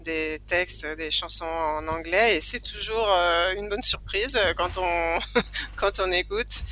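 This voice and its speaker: A man's voice: sits high, slow pace, pushed and bright. A man guest on a podcast, chatting casually and laughing as he explains. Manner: cheerful, laughs often while explaining. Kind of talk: casual chat.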